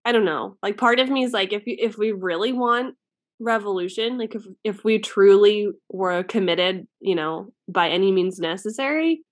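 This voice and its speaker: A woman co-hosting a casual chat, telling stories in an animated way with lots of "like" and quick asides. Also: medium pitch, no room sound. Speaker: podcast co-host.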